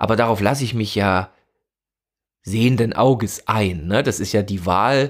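At a moderate pace, a man with a fairly low pitch and ordinary pitch variation talks in a normal speaking voice on a very clean recording with a silent background. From East Germany. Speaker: podcast host, money mindset coach. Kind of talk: solo podcast monologue. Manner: casual, with many fillers.

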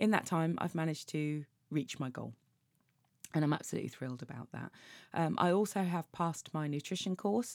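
Here a woman speaks with a British accent. Her pitch is very deep and low. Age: 40s. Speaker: life coach podcast host. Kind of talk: casual solo monologue. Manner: chatty, warm.

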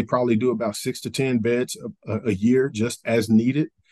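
A man speaks at a moderate pace with fairly even intonation. The sound is dry and close, with no echo. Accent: Texan. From West Texas (Midland). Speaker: former college football player, player development director. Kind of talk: casual interview.

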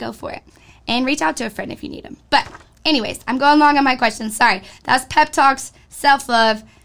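A woman speaks in an animated tone with a high voice. Her pace is fairly quick. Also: ordinary pitch variation, big swings in loudness. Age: 20s. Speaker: podcast host. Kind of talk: solo Q&A podcast.

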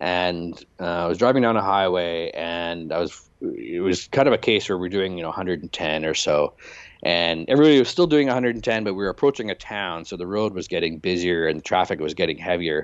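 Very deep and low, a man's voice carries a Canadian prairie accent. He moves at a fairly quick pace with ordinary pitch variation. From rural Manitoba, Canada. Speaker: writer and filmmaker. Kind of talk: casual interview.

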